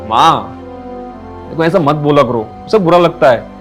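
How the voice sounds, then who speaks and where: A man's voice: a little high, moderate pace, a bit bright, faint music behind, lightly acted. A man playing an earnest young husband who soothes his wife and stands up to his mother. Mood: protesting. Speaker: son and husband. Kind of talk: rural Hindi film drama.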